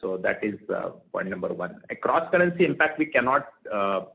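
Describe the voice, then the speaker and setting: Low-pitched man on phone line. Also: big pitch swings, gravelly. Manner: halting, hesitant phrasing with repeated words. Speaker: company executive. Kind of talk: answering questions on an earnings call. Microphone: telephone conference call. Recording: tinny narrowband conference phone line.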